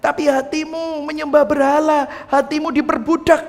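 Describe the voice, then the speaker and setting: A man preaching a sermon as pastor, animated, asking the congregation rhetorical questions and acting out quotes. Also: very high voice, moderate pace, creaky.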